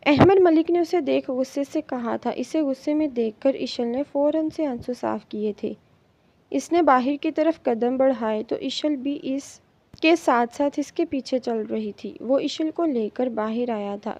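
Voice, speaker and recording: A woman reading a romance novel aloud in steady audiobook narration. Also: on the high side, dry recording. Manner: steady storytelling. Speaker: novel reader. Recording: dull lo-fi recording.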